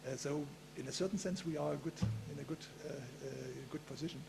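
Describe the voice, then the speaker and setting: A man giving a conference talk in a halting way, with many filler pauses and a gravelly voice. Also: a little high, music in the background. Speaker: conference speaker.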